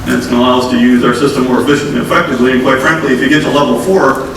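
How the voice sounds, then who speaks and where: A man's voice: mid-range voice, steady tone, very fast. A man presenting to a conference audience, talking directly and casually to the crowd, with a cold that is wearing his voice down. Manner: folksy, direct, addresses audience as folks. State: has a cold, losing his voice. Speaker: state transportation official. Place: conference room. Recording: echoey hall, distant mic, noisy.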